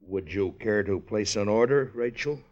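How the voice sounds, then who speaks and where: An actor playing an earnest, awkward young gypsy peddler in a radio drama, hesitant in manner. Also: male voice, on the low side, normal speed, lo-fi sound, natural voice. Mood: flustered. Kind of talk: 1950s radio drama acting.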